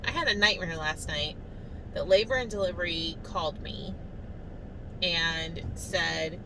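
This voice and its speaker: A woman with a slightly low voice talks casually to her viewers like a vlogger. She is chatty and easily amused by her own stories. Clear background noise runs behind her. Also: a little slow. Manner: chatty, self-amused, often chuckling while telling anecdotes. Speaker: vlogger sharing a daily diet challenge.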